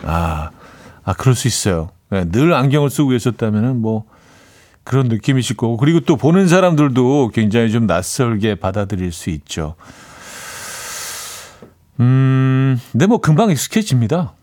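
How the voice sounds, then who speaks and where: A man's voice: mid-range voice, very animated, normal speed, darkish tone. Chatty male radio DJ reading messages. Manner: chatty, laughs often, mimics dialect playfully. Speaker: radio DJ host. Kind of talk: casual radio chat reading listener messages. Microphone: studio microphone.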